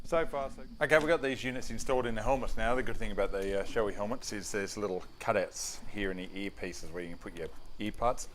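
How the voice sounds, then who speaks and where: A man's voice: lowish voice, quick pace, few pauses, slight background noise. An Australian man giving a casual product review as a motorcycle gear reviewer, plain-spoken and matter-of-fact.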